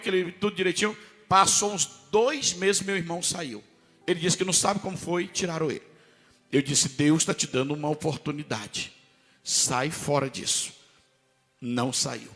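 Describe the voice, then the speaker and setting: A man's voice: sits high, sharp tone, in a large hall. A man preaching a testimony, telling his story emphatically and acting out the other people's voices. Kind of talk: testimony sermon.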